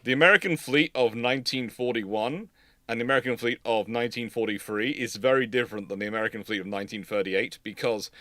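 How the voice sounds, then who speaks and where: A man hosting a naval history livestream, answering questions in casual chat with halting, repetitive phrasing. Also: lowish voice, fairly bright tone, no room sound.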